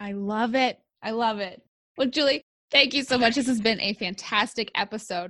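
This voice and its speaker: A woman speaks at a moderate pace with a fairly high pitch and a bright, sharp tone. The recording is very clean, with a silent background. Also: ordinary pitch variation, dry, close sound with no echo. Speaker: podcast host. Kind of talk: interview, scripted intro. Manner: formal, upbeat.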